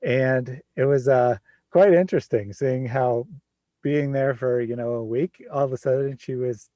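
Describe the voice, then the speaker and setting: Relaxed chatty man in his forties. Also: medium pitch, unhurried, no room sound. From Midwest United States. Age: 40s. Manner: relaxed, chatty, laughs often. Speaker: livestream host. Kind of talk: casual livestream chat.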